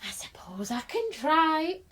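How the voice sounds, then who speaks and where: A woman's voice: high voice, very animated, drawn-out words, a bit bright, exaggerated voice. A woman playing an eccentric, mocking, childishly quarrelsome woman who talks in teasing riddles, in a radio play. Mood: evasive, riddling. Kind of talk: theatrical radio play acting.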